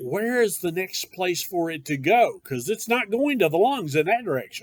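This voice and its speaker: With a Southern US accent, a man talks at a moderate pace in a high pitch that swings very widely. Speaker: instructor. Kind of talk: lecture.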